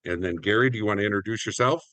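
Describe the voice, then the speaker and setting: Lowish-voiced man, very dry sound. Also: very fast, sharp tone, dry recording. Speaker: director introducing his cast. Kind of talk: conversational podcast interview.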